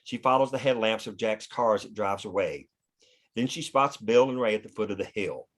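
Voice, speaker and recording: A man's voice: lowish voice, brisk. A man reading scene headings and action lines as the narrator of a screenplay. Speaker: stage-direction reader.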